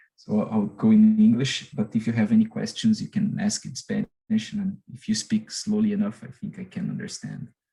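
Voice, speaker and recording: With a Portuguese accent, a man talks at a moderate pace. He hardly pauses at all. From Brazil, south of Minas Gerais. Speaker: acoustics professor. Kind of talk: lecture. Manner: halting, many fillers and repetitions.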